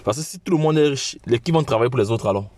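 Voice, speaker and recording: A man with a cold giving an informal promotional pitch as a channel host, halting and often repeating his phrases. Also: expressive, darkish tone, no room sound. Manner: halting, repetitive, with frequent restarts. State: has a cold.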